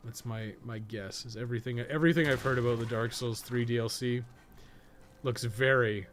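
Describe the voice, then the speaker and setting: A man's voice: mid-range voice, fairly even intonation, normal speed. Man rambling through game commentary, noisy background. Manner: profane, rambling, joking asides. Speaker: podcast co-host playing a video game. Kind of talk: casual gaming commentary, thinking aloud.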